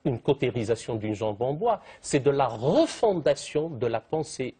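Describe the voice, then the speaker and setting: Husky guy on a tv debate, super wordy and eloquent, stacks up fancy synonyms. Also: medium pitch, sing-song, normal speed, dark tone. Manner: eloquent, elaborate vocabulary, piles up synonyms. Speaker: guest theologian in a TV debate. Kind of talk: televised studio debate.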